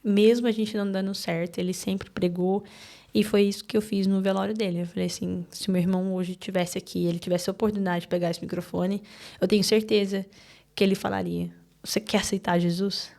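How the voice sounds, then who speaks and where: A woman from Brazil, a podcast guest, telling a painful personal story in a halting, emotional way with many restarts. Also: medium pitch, flat delivery, creaky, a little mellow.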